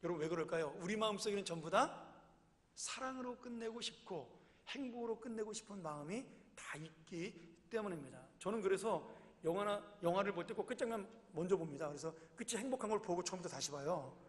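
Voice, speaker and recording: Male pastor with a high voice, chatty preaching style, full of questions to the pews, recorded in a church with long reverb. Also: lively intonation, brisk. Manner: conversational preaching with rhetorical questions to the congregation. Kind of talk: sermon. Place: church sanctuary.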